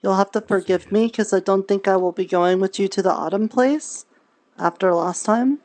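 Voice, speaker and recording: A woman's voice: medium pitch, moderate pace, darkish tone. A woman talking casually in character during an online game roleplay, a little hesitant in how she puts things. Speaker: streamer and roleplayer.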